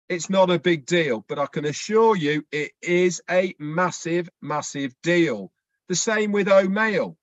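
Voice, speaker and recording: A man's voice: high-pitched, fairly bright tone, dry recording. A man presenting on an online business chat, persuading his audience with rhetorical questions. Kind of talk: promotional talk to an audience.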